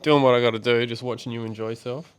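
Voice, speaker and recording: A man's voice: mid-range voice, steady tone, fast talker, smooth. An Australian man hosting a podcast, teasing his co-host in jokey banter. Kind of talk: casual chat.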